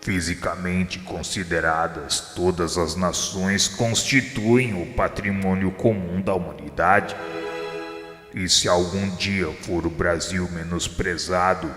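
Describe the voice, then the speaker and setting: A man voicing Jesus as a grave divine figure in a radio drama, speaking with a Brazilian Portuguese accent in measured, solemn pronouncements. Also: deep voice, steady tone. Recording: heavy reverb with soft music behind.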